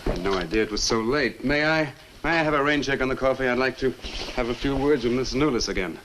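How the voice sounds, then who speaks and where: A man's voice: mid-range voice, fast talker, close to an everyday voice. An actor playing an earnest, polite and hesitant young man in a 1960s horror film. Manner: hesitant, courteous, skeptical. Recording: noisy old film soundtrack.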